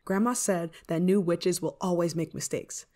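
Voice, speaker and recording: A woman's voice: lowish voice, normal speed, dark tone, natural voice. A woman playing a flustered, affectionate novice witch in an ASMR roleplay, speaking in a hesitant, fretful way. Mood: worried, flustered. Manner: hesitant, stammering, fretful, sighing. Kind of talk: ASMR roleplay monologue to the listener.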